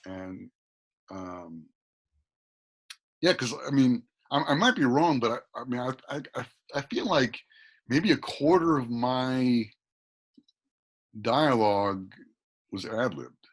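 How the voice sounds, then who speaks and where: A man in his thirties, guest actor on a podcast, talking casually with a deep voice, often repeating words and laughing. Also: expressive, slow, long pauses.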